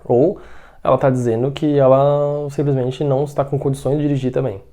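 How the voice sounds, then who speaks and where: A man's voice: mid-range voice, little pitch movement, warm tone. Patient Brazilian male language teacher. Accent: Brazilian Portuguese. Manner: explains patiently, checks in with "tá bom?" and slows right down for model sentences. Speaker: Mandarin teacher. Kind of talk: language lesson.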